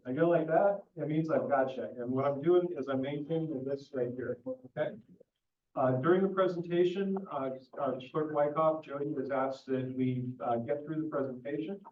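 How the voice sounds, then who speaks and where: A man acting as mayor, opening a public council meeting. He talks slowly and projects his voice without yelling, with no microphone in a meeting room. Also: on the high side. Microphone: no microphone, picked up from a distance. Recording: echoey, distant, dull sound.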